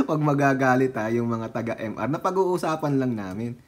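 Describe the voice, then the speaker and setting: A Filipino man giving casual political commentary, chatty and teasing, laughing often and dropping from loud remarks to low asides. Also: moderate pace. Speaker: political vlogger.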